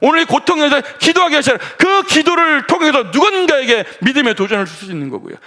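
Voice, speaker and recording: A man preaching a sermon, his voice pitched high and swinging widely up and down. He keeps asking the congregation questions. Now and then he slows and drops his voice to act out imagined speech. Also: sing-song. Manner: voices imagined dialogue in a hushed, slowed tone. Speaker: pastor.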